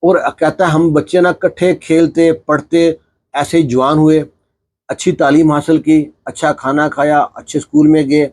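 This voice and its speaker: A man tells a moral tale in a fairly high voice. He is earnest and heartfelt throughout. He drifts from narration into the lines of the people in his story without losing his own plain, sincere tone. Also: little pitch movement, darkish tone. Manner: earnest, heartfelt retelling that slips into the characters' dialogue.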